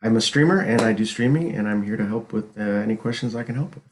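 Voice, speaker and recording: A man's voice: fairly low pitch, quick pace, a little hiss or hum. A man introducing himself as a streamer over a video call, in a hesitant way. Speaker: streamer, tech helper.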